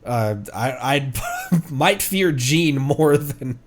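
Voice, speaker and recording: A man gives casual livestream commentary on a game. He talks slowly and muses aloud, with a giggly manner and lively shifts in pitch. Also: a little hiss or hum. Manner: giggly, musing aloud, unhurried. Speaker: streamer reacting to a game.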